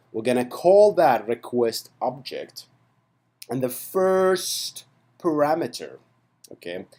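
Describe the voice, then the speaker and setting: A man walking through code in a relaxed screen-recorded lesson. His pitch rises and falls a lot as he talks, and his tone is mellow and dark. He chats along playfully and keeps checking in with the viewer. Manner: chatty and playful, with frequent "right?" and "okay" asides. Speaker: programming instructor. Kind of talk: casual screen-recorded coding tutorial.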